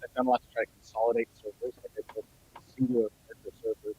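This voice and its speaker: A man's voice: mid-range voice, level tone, very fast, warm tone, slightly rough, highs cut off. A man in casual podcast chat on a remote mic that keeps cutting out and dropping in level. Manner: loose and chatty, tags with "right?". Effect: mic cutting out, level dropping randomly. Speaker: podcast guest.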